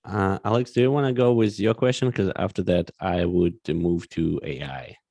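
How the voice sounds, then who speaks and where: A man's voice: low voice, steady tone, normal speed, dark tone, no room sound. A man casually moderating a podcast as its host, handing questions around.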